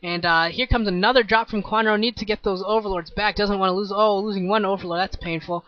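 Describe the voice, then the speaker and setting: Man, solo esports commentary, high bright voice, dry dull lo-fi mic, rambling with excited bursts. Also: quick pace, no room sound. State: voice starting to tire. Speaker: esports caster.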